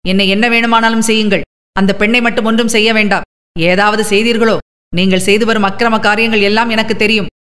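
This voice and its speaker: A woman's voice: medium pitch, steady tone, fast talker, fairly bright tone, close to an everyday voice. A woman voicing a fierce young male idealist who speaks in defiant, indignant outbursts. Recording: long reverb.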